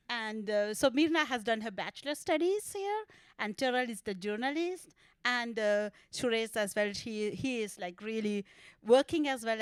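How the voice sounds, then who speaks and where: A woman's voice: mid-range voice, no echo, studio quality. A woman moderating a round-table discussion in a friendly, informal way.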